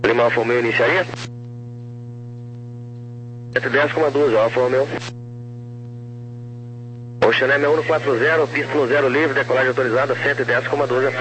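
A Brazilian man working as a tower controller, giving brisk instructions over crackly aviation radio. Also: medium pitch, steady tone, fairly bright tone. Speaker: air traffic tower controller. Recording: crackly radio with clear noise and hum.

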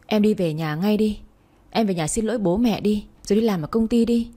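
A woman's voice: mid-range voice, a little fast, warm tone, close to an everyday voice. A woman voicing a stern young man who keeps scolding and urging his girlfriend, in a storybook reading. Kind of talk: storybook narration.

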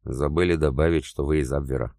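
A man reading the lines of a wounded Soviet commissar who answers calmly and firmly with dry irony. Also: rumbling low, a little fast, creaky, no echo.

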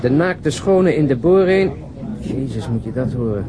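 A wisecracking male police detective played by an actor in a radio drama. His voice is of middling pitch, coarse in manner and full of mockery. Loud noise with vehicle sounds runs behind him. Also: animated, unhurried, natural voice. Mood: mocking recital, then coarse, blunt. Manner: grumbling, mocking, blunt. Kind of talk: naturalistic radio crime drama acting.

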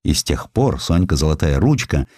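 A man reading historical sketches as an audiobook narrator, with theatrical, deliberate, emphatic storytelling. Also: very deep voice, very animated, darkish tone, no room sound, clean studio sound. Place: dry studio.

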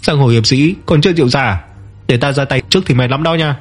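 A man voicing a wry, self-assured young hero in an audio story, with a husky tone. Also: mid-range voice, quick pace, voice pushed up, natural voice.

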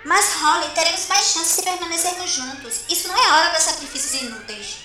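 A woman's voice: very high-pitched, sing-song, fast talker, over music. An actress playing an earnest, loyal young female crewmate in an audio drama. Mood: pleading.

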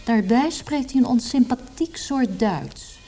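A down-to-earth wife speaks in a fairly high but mellow voice. She is probing and matter-of-fact, in natural radio drama style. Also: lively intonation, a little slow, faint music behind. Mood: casual, curious.

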